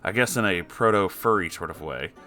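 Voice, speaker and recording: A man's voice: deep voice, expressive, brisk, sharp tone, soft background music. A man reading a story aloud as a host, breaking in with wry, conversational asides.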